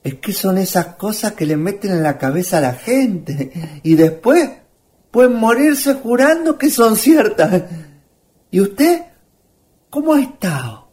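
Woman playing slow, swooping bashful Chilean country lad. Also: mid-range voice, big pitch swings, darkish tone. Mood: amused, chatty. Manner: folksy, bashful. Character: shy, good-natured young countryman suitor, easily hurt. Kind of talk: radio drama acting.

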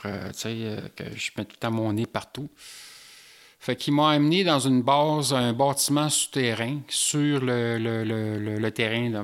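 A medium-pitched man with a Québécois French accent tells a personal story animatedly, sprinkling in local slang.

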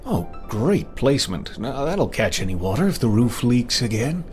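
An actor playing a dazed, wistful fantasy adventurer, speaking hesitantly in a horror audio drama. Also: male voice, mid-range voice, big pitch swings, normal speed, darkish tone, natural voice. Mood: puzzled, wry. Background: music.

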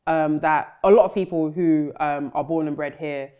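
A woman hosting a podcast, chatting casually and thinking out loud as she frames her questions. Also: deep voice, fairly even intonation, normal speed, dull audio. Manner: chatty, searching, lots of "um" and "like" while framing questions. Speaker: podcast host. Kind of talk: casual interview chat.

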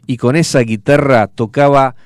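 A man's voice: medium pitch, fairly even intonation, moderate pace, clear, resonant tone, dry recording, clean studio sound. A man with a Rioplatense Spanish accent, hosting a radio show and telling a story in a chatty way, full of fillers. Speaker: radio host.

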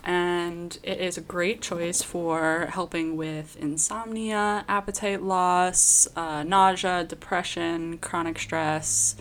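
A woman's voice: on the low side, fairly even intonation, slow, few pauses, a bit bright, slight background noise. A woman co-hosting a podcast in informal, easygoing casual chat. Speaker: podcast co-host.

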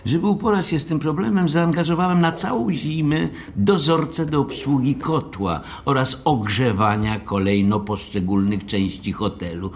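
An actor playing a pedantic, haughty hotel manager who speaks in a formal, fussy, long-winded way in an audio drama. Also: male voice, mid-range voice, slight background noise. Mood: stern, explanatory.

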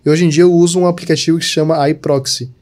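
On the high side with fairly even intonation and a darkish tone, this young man from Santa Catarina, Brazil, talks rapid-fire. He's a digital marketer chatting casually as a podcast guest, heavy on fillers like "tipo" and "sabe."

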